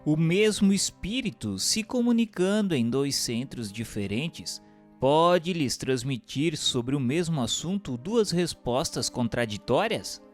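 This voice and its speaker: Slow, expressive Brazilian male narrator. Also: a little high, faint music behind. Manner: formal, deliberate. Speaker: narrator and questioner. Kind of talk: scripted narration, expository reading.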